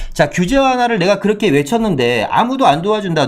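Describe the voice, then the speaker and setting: A man's voice with very wide pitch swings. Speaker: real estate investment commentator. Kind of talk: live-stream commentary with viewer questions. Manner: fast.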